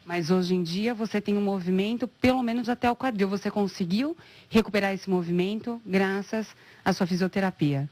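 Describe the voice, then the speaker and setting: A woman interviewing a patient and his wife, asking measured, caring questions. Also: medium pitch, darkish tone. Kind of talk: TV health interview.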